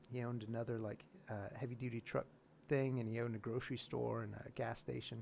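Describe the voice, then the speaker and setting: Delivered at a very fast pace in an American accent, the speech is monotone and flat. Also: man, medium pitch for a man. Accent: American; English accent fully disappeared. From UK (Wales). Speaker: podcast guest. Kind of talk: casual chat. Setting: studio.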